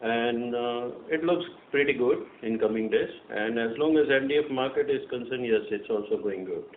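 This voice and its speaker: Indian male executive, hesitant off-the-cuff answers, roomy phone connection with faint noise. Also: medium pitch. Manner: halting, hesitant delivery. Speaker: company executive answering questions. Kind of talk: unscripted question-and-answer. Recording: echoey, noisy narrowband phone line.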